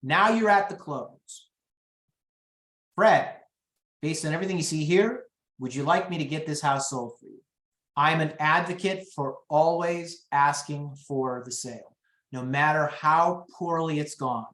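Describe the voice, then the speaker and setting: A man running a real estate training webinar over a video call, telling lively stories and acting out quotes. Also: on the high side, a little slow, roomy sound. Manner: lively storyteller, acts out quotes.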